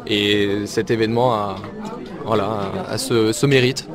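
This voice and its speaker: A man's voice: on the low side, fairly even intonation, crowd noise. A man who works for a community association, interviewed outdoors at a street market, explaining his view thoughtfully with a few restarts. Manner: thoughtful, slightly halting.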